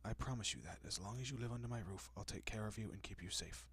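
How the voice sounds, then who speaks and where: A man playing a gentle, courteous, possessive vampire in an intimate audio roleplay, speaking softly and often dropping to a whisper with hushed reassurance. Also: fairly low pitch, quick pace, husky, no room sound, full character voice. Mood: soothing, earnest. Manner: hushed, reassuring, politely old-fashioned.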